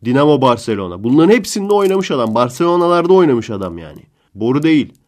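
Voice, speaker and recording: A man voicing a loud, boorish middle-aged male football fan who rants indignantly and repeats himself. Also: medium pitch, natural voice. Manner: ranting, indignant, repetitive.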